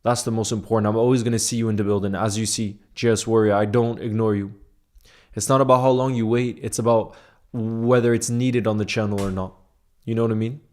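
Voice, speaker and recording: A man's voice: lowish voice, steady tone, fairly quick, a little mellow. A young man hosting a casual livestream, chatting and reading viewer comments aloud. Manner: conversational, often asks "you know what I mean". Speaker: livestream host.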